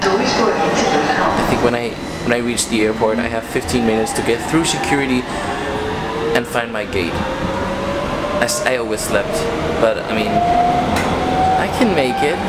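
Loud background noise fills the clip. A man speaks over it at a fairly slow pace. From Denmark. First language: Danish. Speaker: vlogger. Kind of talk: travel vlog talk to camera. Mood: playful, joking. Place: train. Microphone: phone near.

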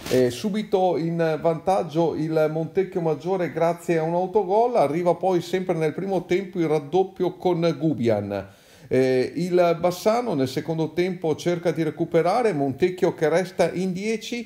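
A man talks with a high voice. The tone is dark and mellow. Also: ordinary pitch variation, fairly slow pace. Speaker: match report commentator. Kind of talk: sports match recap narration. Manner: animated, building excitement at the late penalty save; fluent, with hesitant 'eh' fillers.

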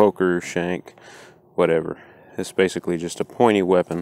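A man's very deep, low voice with fairly even intonation and a dry sound with no echo. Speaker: former prison inmate demonstrating weapons. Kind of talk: tutorial. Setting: at home, quarantined. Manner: casual. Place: garden. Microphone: phone near.

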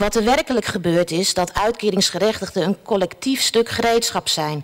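A woman keeps a moderate pace, and the background around her is quiet. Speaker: citizen giving public comment. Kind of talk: prepared public statement. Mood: critical, indignant. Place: meeting room. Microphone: podium.

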